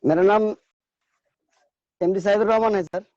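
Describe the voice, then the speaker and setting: A man on a video call asking a question in a halting, hesitant way while his voice breaks up over a weak network connection. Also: high-pitched, fairly even intonation, darkish tone, dry recording. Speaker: webinar participant. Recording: dull lo-fi video call audio with dropouts.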